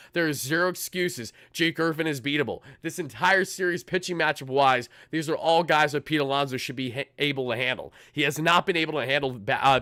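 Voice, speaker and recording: Raspy fired-up young man. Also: a little high, no echo, studio quality. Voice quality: raspy from shouting. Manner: fired-up, fast fan talk with restarts. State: hoarse. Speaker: sports channel host. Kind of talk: live-stream pregame talk.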